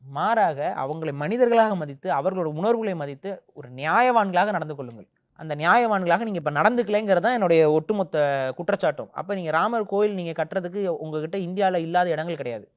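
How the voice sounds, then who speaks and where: Guy ranting fast in an interview, pretty high voice, gets worked up. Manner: indignant, rapid, rising to emphatic outbursts. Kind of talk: heated opinion talk.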